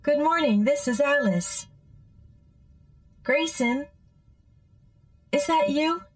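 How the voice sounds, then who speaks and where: An actress voicing a gentle, caring female artificial intelligence companion in an audio drama, with a measured manner. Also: sits high. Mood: calm, caring.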